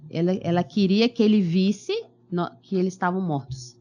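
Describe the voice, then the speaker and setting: Low-voiced woman interpreting. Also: steady tone, warm tone, highs cut off. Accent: Brazilian Portuguese. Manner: quick restarts and self-corrections as she translates. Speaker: interpreter for her husband. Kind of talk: live consecutive interpreting.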